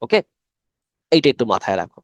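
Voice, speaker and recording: A man's voice: a little fast, no echo. A young man teaching a recorded biology lecture in a chatty way, often asking a question and answering it himself, with English terms mixed into his Bangla.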